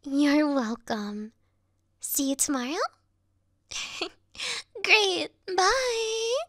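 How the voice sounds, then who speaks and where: A woman playing a sweet, clingy young yandere video game girl in a soft, coy, cutesy ASMR roleplay style. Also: high voice, big pitch swings, extremely slow, no room sound, clean studio sound, heavily acted. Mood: coy, affectionate.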